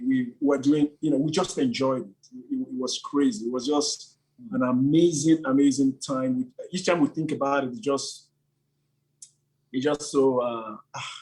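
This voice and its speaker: Lively man, laughing often. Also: mid-range voice, poor audio. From Nigeria. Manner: enthusiastic, laughs often, many fillers like "you know". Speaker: church leader. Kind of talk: animated interview answers.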